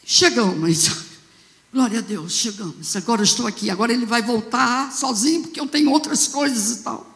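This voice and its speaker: A woman with a Brazilian accent, a bishop telling a story in a sermon, fervent and swelling into loud exclamations. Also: a little high, moderate pace, gravelly. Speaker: bishop preaching. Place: church sanctuary. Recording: long church reverb.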